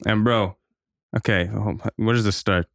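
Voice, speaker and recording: A man's voice: on the low side, fairly even intonation, moderate pace, gravelly, a bit bright. A young man, a podcast guest, telling stories in hyped, profane casual chat.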